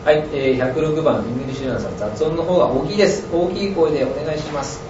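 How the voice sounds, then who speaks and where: Host, male, slightly high voice, reading listener mail in a roomy room, distant dull mic with noise. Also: rapid-fire. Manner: reads out numbered messages, chuckles often. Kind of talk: casual live-stream chat.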